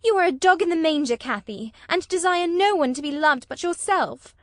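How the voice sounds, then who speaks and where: A woman doing a lovesick, indignant young girl with a high voice. She pleads and protests petulantly. The voice is recorded close and dry, like an audiobook. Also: very animated, normal speed, no room sound. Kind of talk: audiobook character voice.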